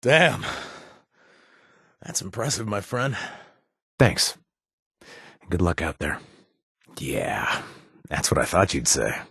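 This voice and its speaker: A man's voice: low-pitched, sing-song, takes it slowly, vocal fry, long pauses, sharp tone, slightly rough, dry recording, exaggerated voice. An actor playing a playful, flirtatious male companion in a video game, recorded dry in a studio. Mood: flirty.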